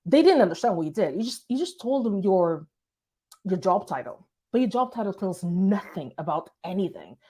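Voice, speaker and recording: Woman from portugal w a light accent nobody can place, chatty business advice to camera, mid pitch. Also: very animated, moderate pace, mellow, slightly rough. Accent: light hard-to-place foreign accent with some British touches. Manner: conversational, storytelling, addresses viewers directly. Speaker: marketing strategist for coaches.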